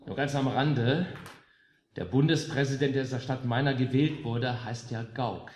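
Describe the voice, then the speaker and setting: A man's voice: medium pitch, steady tone, moderate pace, darkish tone. A man from West Germany addressing a live concert audience between songs, speaking emphatically with sarcastic jabs and rhetorical questions. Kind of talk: rousing political stage speech. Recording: roomy live room with faint music.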